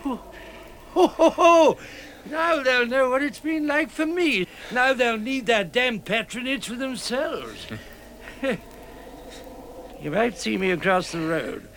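Bitter blind British man, querulous and sharp-tongued, animated delivery, noisy vintage radio drama recording. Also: high voice, slow pace, gravelly, pauses often, heavily acted. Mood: gloating.

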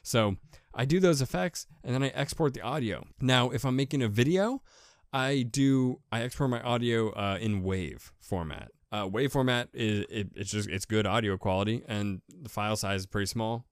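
A man with a deep voice giving a casual, rambling how-to talk as a podcaster, repeating himself with enthusiasm. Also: moderate pace, smooth, no room sound, clean studio sound. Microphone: USB desk microphone with pop filter.

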